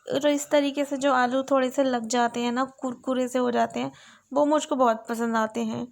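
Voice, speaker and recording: Young woman vlogging at home, chatty, talks right to viewers, kinda gravelly and flat. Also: high-pitched, moderate pace. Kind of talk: casual home vlog chat. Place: home kitchen and bedroom. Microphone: camera on a stand.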